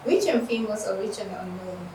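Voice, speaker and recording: A Nigerian woman hosting a casual interview, asking teasing either-or questions. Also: mid-range voice. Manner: teasing, quick back-and-forth questions. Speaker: host. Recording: echoey room, distant mic, noisy.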